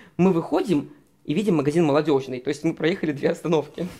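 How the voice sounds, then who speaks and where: On a very clean recording with a silent background, a man with a high pitch and ordinary pitch variation speaks at a fairly quick pace. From Russia, Murmansk. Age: 20s. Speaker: actor. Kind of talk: personal storytelling. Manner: hesitant, many fillers.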